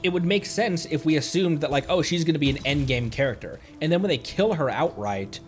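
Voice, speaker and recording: A man's voice: fairly high pitch, lively intonation, brisk. A man chatting casually on a game livestream, rambling as he thinks aloud. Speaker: livestreamer, VTuber. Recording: music behind the voice. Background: music.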